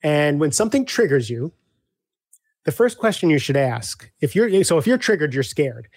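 A man speaking as a guest coach in a casual interview, animated, acting out back-and-forth dialogues with clients. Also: fairly high pitch, normal speed, dry recording.

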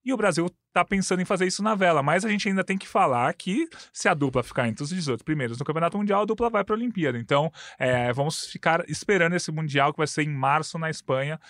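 A man in his thirties with a Brazilian Portuguese accent, talking sports in a casual chat, quick and full of stats. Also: on the high side, fairly bright tone, no room sound, clean studio sound. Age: 30s. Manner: quick, detailed stats-heavy talk. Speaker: sports commentator.

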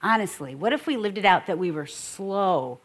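A woman's voice: medium pitch, moderate pace. A middle-aged woman and marriage speaker talking to an audience, teasing her husband and acting out her own lines. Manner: expressive, teasing, acts out her own quotes. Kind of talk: conversational teaching talk to an audience.

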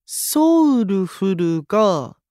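An amiable young male idol in an audio drama. His high, boyish voice rises and falls animatedly, polite and friendly, recorded dry. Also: big pitch swings, extremely slow, a little mellow, no echo, heavily acted. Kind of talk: Japanese anime-style audio drama acting.

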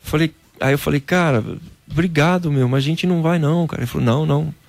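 A man from Brazil, a former footballer, telling a personal faith story in a casual interview, animated and peppered with "cara". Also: on the high side, fast, creaky, no echo.

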